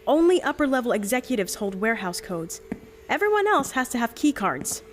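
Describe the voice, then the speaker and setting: A woman's voice: fairly high pitch, very animated, brisk, slight background noise. A woman playing a cool, bluffing young heiress in an audio drama, composed, haughty and persuasive.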